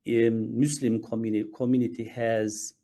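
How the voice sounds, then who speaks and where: A man from Turkey, a Muslim chaplain, speaking haltingly on a panel over a video call, with many fillers and restarts. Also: medium pitch, flat delivery, warm tone.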